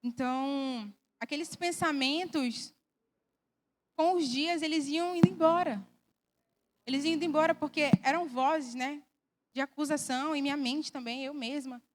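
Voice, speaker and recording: A woman's voice: sits high, moderate pace. A young woman from Brazil sharing a personal testimony in church, speaking earnestly and emotionally in a conversational way.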